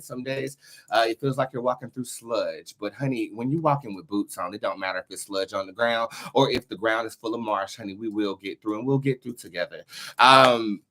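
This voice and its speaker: A man with a bright, forceful voice at an average pitch hosts a live online tarot show. He talks casually and with sass, slipping into slang as he addresses his viewers directly. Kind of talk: casual livestream chat with pep talk and promotion.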